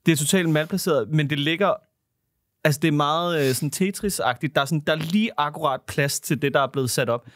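A man co-hosting a podcast in casual chat, who mumbles a little and rushes his words. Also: on the high side. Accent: Danish. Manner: mumbles and talks fast, words tumbling. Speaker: podcast co-host. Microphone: studio microphone.

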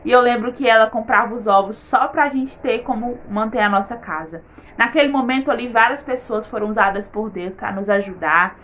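A woman's voice: on the high side, a little fast, fairly bright tone. A woman giving an earnest faith testimony in her vlog, repeating words for emphasis.

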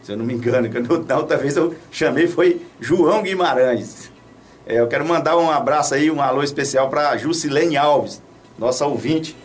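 A man's voice: fairly high pitch, normal speed. A man, hosting local radio in an outspoken, colloquial, repetitive way. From Brazil. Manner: colloquial, outspoken, repeats himself. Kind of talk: informal radio commentary and shout-outs. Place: small radio studio. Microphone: studio boom microphone off to one side, headphones. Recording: slightly distant from the microphone.

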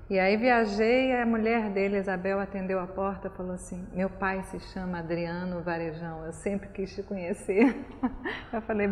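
A woman's voice: mid-range voice, big-room sound. A woman in her thirties, an artist guest, chatting animatedly and laughing in a studio. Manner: animated, laughs often, quick to agree. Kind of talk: casual interview conversation.

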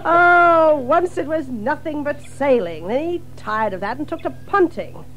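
A woman playing a genial, chatty water rat gentleman in a children's audio drama, with a chuckling manner and frequent "eh?" tags. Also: sits high, expressive, unhurried, a little hiss or hum, low-quality recording. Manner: chuckling, ends phrases with "eh?".

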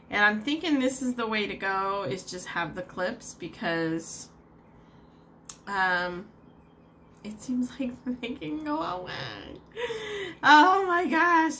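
Bright-voiced woman vlogging at home, slow rambling. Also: mid-range voice, slight background noise. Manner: rambling, frustrated, many fillers and laughs. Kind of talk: casual vlog chat.

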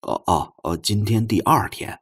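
A man's voice: fairly low pitch, moderate pace, a bit bright, slightly rough. A man playing a timid, awkward young rookie policeman who talks hesitantly and stammers, in an audiobook. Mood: nervous.

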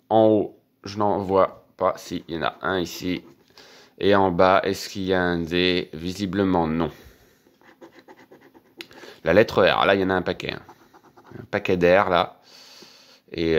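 A man, quietly commenting as he scratches lottery tickets for his channel. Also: low voice, creaky. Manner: quiet running commentary, excited when winning. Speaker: scratch-card vlogger.

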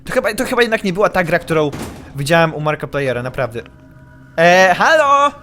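A young man commenting on a horror game he is playing, excitable, yelping when startled and muttering while he sneaks. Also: fairly high pitch, fast talker. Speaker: gaming YouTuber.

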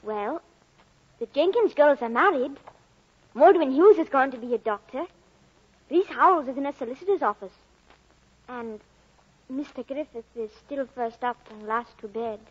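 Earnest teenage lad, plain-spoken and high, old radio play with muffled sound. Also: animated, normal speed, long pauses, husky, long reverb tail. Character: earnest, polite Welsh boy in his teens. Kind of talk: 1940s radio acting.

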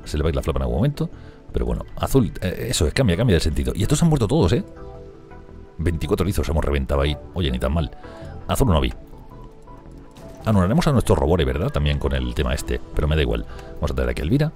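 A man commenting on a strategy game he is playing, talking fast and excitably, swearing and laughing often. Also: rumbling low, soft background music. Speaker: gameplay streamer.

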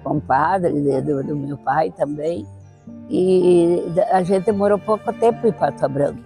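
Deep-voiced elderly southern Brazilian woman, gravelly. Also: slow, mellow, faint music behind. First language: Italian. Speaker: interviewee. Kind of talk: reminiscing in an unscripted interview. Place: outdoor terrace. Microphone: clip-on lapel mic.

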